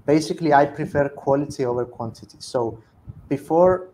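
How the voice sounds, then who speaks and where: A young man from Cyprus with a Greek Cypriot accent, talking casually on a video call through an earphone mic as a guest, relaxed and thoughtful. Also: fairly high pitch, normal speed, a little hiss or hum. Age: young adult. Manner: relaxed, thoughtful, self-correcting. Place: home room. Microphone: earphone headset on a video call.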